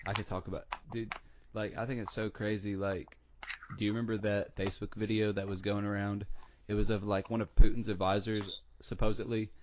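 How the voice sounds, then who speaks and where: A man's voice: on the low side, little pitch movement, fairly quick, highs cut off, a crowd in the background. A young man hosting a podcast, asking questions in an easygoing way full of filler words. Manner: lots of "like" and "um", easygoing. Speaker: podcast host. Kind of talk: casual interview chat.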